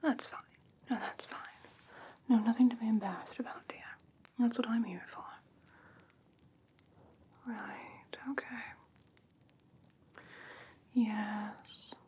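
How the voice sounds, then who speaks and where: A woman voicing an ancient, haughty yet curious fae in a soft breathy whisper for an ASMR fantasy roleplay, halting and matter-of-fact. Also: a little high, steady tone. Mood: intent, matter-of-fact. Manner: unhurried, matter-of-fact, faintly condescending, halting. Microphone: close ASMR microphone. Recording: close-miked with clear background ambient noise.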